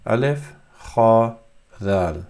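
A man in his thirties whose first language is Urdu, teaching a reading lesson with slow, halting explanations and many fillers. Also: fairly low pitch, lively intonation, creaky, darkish tone. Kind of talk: screen-recorded reading lesson.

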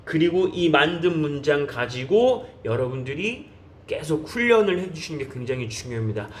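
A man from South Korea teaching a beginner English lesson, repeating example phrases slowly for learners to copy. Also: a little high.

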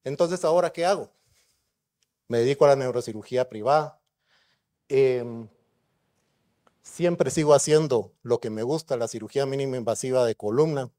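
This middle-aged Guatemalan neurosurgeon speaks in a mid-range, dark-toned voice at normal speed with long pauses. He gives a conference lecture conversationally, putting rhetorical questions to the audience.

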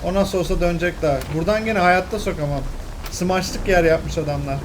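Excitable young man narrating gameplay. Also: high-pitched, fairly quick, background noise. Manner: excitable, exclaims and mutters to himself while playing. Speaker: gameplay commentator. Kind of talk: casual let's-play commentary.

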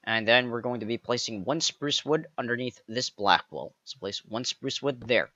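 A man narrating a step-by-step game building tutorial, counting blocks aloud with playful jokey asides and a slightly raspy voice. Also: medium pitch, moderate pace, bright, forceful tone, no room sound, dull audio. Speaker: pixel art tutorial creator.

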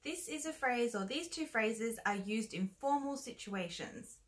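Casting note: young woman, friendly teacher explaining phrases, somewhat high voice. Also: expressive, a little slow. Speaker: Korean teacher, co-host. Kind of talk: language lesson explained in English.

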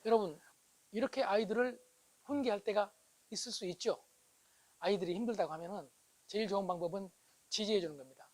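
A middle-aged man giving an animated public lecture. He keeps asking his audience whether they agree and swings from loud bursts to hushed asides. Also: sits high, fairly quick, long pauses, poor audio. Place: lecture hall.

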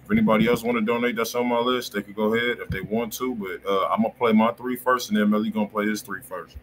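An American man around his thirties hosts a music review live stream full of casual, slangy banter, the room audio noisy. His voice is fairly low with fairly even intonation, and he talks at a quick pace.

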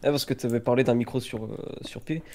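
A man's voice: mid-range voice, fairly even intonation, fast talker, warm tone, a little hiss or hum. A man, chatting and joking casually while playing a game. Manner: chatty, jokey, gives gear advice. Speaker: let's play co-host. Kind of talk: casual gaming chat.

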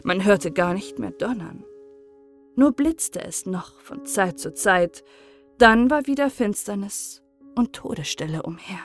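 A woman narrating a fairy-tale audiobook in a calm, measured bedtime reading. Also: medium pitch. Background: soft background music.

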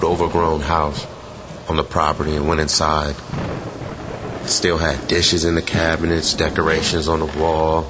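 Very deep-voiced man telling a story over noise. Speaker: guest reader of a listener's story. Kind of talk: conversational first-person ghost story reading. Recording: clearly noisy, vehicle-like background rumble.

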